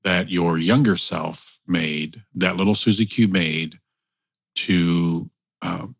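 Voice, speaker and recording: A man with a very low voice talks thoughtfully, often pausing and restarting as he looks for the right words. The sound is dry and close, with no room echo. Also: vocal fry. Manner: thoughtful, halting, searching for words. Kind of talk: conversational podcast chat.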